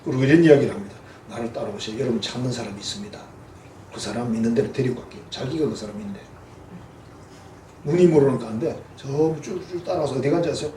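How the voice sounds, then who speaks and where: Gyeongsang pastor preaching in an echoey church. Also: male voice, mid-range voice, fast, mellow, a little hiss or hum. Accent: Gyeongsang Korean. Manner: folksy, humorous, acts out quoted voices. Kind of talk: sermon. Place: church sanctuary. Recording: echoey church hall, mic at a distance.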